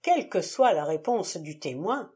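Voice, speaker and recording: A woman reading a novel aloud as an audiobook, calm and measured, with sudden lively bursts for the dialogue. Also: fairly low pitch, breathy edge. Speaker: audiobook reader. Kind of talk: audiobook narration.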